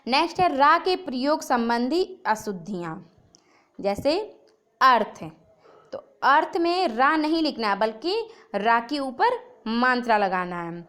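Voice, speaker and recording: A woman teacher explaining spelling mistakes over slides, repeating each word slowly and stressing its letter sounds. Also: high-pitched, very animated, fairly bright tone. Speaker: Hindi grammar teacher.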